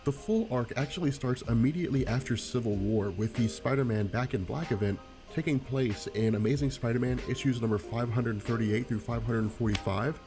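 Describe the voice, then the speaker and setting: A man with a nasal, congested voice from a cold, narrating a scripted explainer in a measured way. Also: medium pitch, over music. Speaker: video host.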